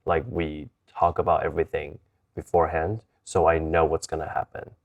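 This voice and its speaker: A man's voice: very deep voice, level tone, moderate pace, highs cut off. A man from Taiwan who moved to Chicago, talking candidly and conversationally as an interview guest.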